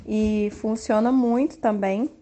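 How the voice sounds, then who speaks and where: A woman in her thirties with a Brazilian Portuguese accent, calmly sharing parenting tips from her own home life in an unhurried, soft-spoken way. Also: medium pitch, noisy background. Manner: soft-spoken, unhurried, frequent tag questions. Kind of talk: calm personal testimony.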